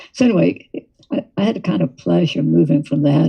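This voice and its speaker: A man with an American accent talks at a fairly quick pace. His fairly high voice carries vocal fry. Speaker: guest speaker. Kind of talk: casual chat. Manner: halting.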